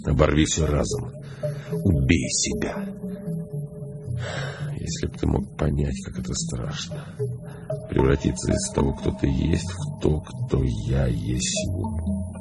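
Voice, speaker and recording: An actor playing a lonely, despairing man of eighty stranded on Mars, weary and halting in a radio drama. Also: extremely low pitch, exaggerated voice. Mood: anguished, pleading. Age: older. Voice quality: gravelly, creaky, breathy at times. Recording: background music under the voice.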